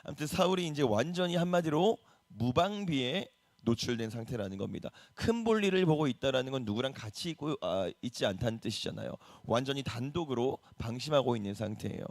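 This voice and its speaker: A male pastor delivers an early-morning sermon in a plain, everyday tone. He speaks conversationally and keeps asking his listeners rhetorical questions. His voice sits at a middle pitch and sounds dry and close, with no room echo. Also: expressive, fairly quick, few pauses. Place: church.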